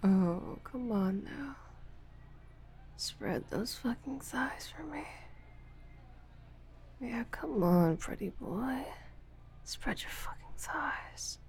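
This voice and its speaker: A woman playing a dominant, taunting lover in an intimate audio roleplay, mostly in a husky whisper with a slow, commanding delivery. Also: on the high side, expressive, a little mellow, heavily acted. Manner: slow, teasing, commanding, profane.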